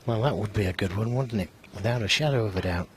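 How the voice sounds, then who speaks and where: A man giving sparse, conversational snooker commentary in short, measured observations. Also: fairly low pitch, a little hiss or hum.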